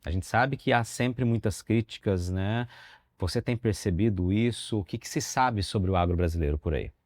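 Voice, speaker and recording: A man's voice: lowish voice, normal speed, darkish tone. A Brazilian man hosting a podcast, asking long questions with hesitations. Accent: Brazilian Portuguese. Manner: asks long questions with fillers. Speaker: podcast host. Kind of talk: interview questions.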